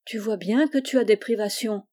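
A woman's voice: medium pitch, normal speed, mellow, close to an everyday voice. A woman voicing a hot-tempered but tender-hearted orphan boy in a storybook reading, earnest and emotional.

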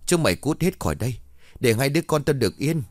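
A man voicing a furious, wailing old grandmother in a ghost story, cursing and shrill. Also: very animated, a little fast, no echo, natural voice.

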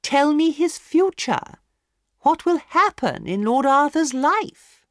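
A woman voicing an imperious, demanding society lady who talks loudly and insistently. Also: expressive, slow pace, no echo, clean studio sound. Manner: loud, demanding, shrill. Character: imperious society hostess, lady, middle-aged.

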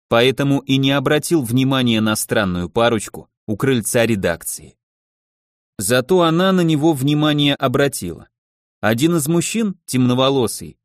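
A man's voice: medium pitch, no room sound, clean studio sound. A man narrating a crime novel as an audiobook reader, telling the story expressively. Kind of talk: scripted narration.

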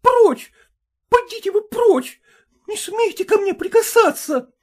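A man's voice: extremely high pitch, fairly quick, warm tone, pitched above the performer's own voice. A man voicing a defiant young wife who answers her husband sharply and with scorn.

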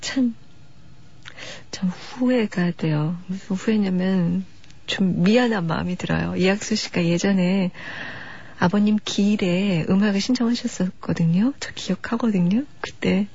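A woman hosting a late-night radio music show, talking softly and unhurriedly as she introduces songs and reads listener letters. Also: mid-range voice, measured pace, husky. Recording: dull lo-fi radio broadcast archive.

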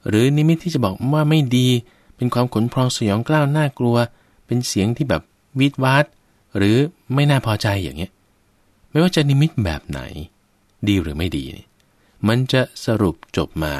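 A man's voice: mid-range voice, sing-song, normal speed, a little mellow, no echo. A man giving a Buddhist sermon, addressing his listeners directly and explaining with everyday examples. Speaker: Buddhist preacher.

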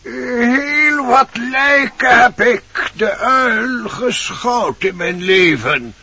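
Grave owl sage, very high gravelly voice, extremely drawn-out proclamations, muffled vintage radio sound. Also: male voice, expressive, pushed and bright, exaggerated voice. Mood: grave, knowing. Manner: solemn, declamatory incantation. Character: old wise male owl doctor, grave and oracular. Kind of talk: theatrical Dutch fairy-tale radio play.

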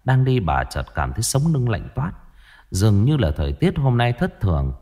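A man narrating a ghost story in a lively way. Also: mid-range voice, moderate pace.

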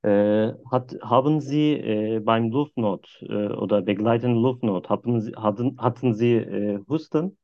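Halting man as a junior doctor. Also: on the low side, no room sound, highs cut off. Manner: halting, many fillers, short questions. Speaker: junior doctor in a practice exam. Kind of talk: simulated medical history interview.

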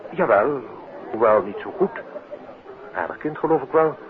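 An actor in a 1950s radio drama playing a polite, formal gentleman who speaks emphatically and excitably. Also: mid-range voice, moderate pace, phone-quality sound, background noise, lightly acted. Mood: shocked, concerned. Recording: thin old radio, crowd murmur behind.

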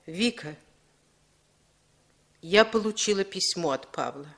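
A woman's voice: fairly low pitch, animated, fairly bright tone, exaggerated voice. A weary old mother. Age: older. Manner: faint, tired, halting. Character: weary elderly mother, frail and worn out. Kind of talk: 1960s radio drama acting.

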